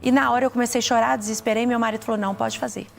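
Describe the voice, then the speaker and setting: Brazilian woman telling her testimony, kinda high and gravelly, stops and restarts a lot, faint music under it. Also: steady tone. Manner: earnest, halting, with many restarts. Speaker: guest giving a testimony. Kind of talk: emotional personal testimony.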